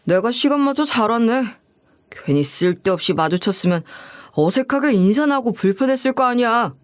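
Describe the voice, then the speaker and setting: A woman's voice: fairly high pitch, animated, moderate pace, no room sound, studio quality, natural voice. A woman voicing a rude, cold young man who snaps curtly at his fiancée. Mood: scornful. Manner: curt, snapping, dismissive.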